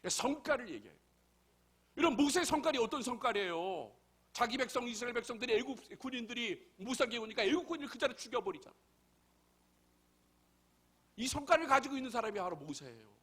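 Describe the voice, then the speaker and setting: A man's voice: extremely high pitch, lively intonation, quick pace, pauses often, a bit bright, husky. A male pastor preaching a sermon, emphatic and full of rhetorical questions to the congregation.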